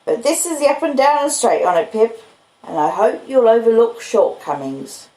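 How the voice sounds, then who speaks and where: A woman voicing a kindly, humble working-class English blacksmith in a storybook, with gentle, apologetic rustic speech. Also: on the high side, very animated, normal speed, echoey room, voice pushed up, rough recording. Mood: tender, apologetic.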